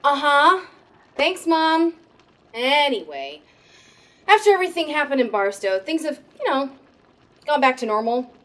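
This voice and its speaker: A woman's voice: high voice, big pitch swings, a little slow, pauses often, a bit bright, exaggerated voice. A woman playing an exasperated, sarcastic daughter in a comedic audio drama, talking casually with sardonic asides. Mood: wry, casual.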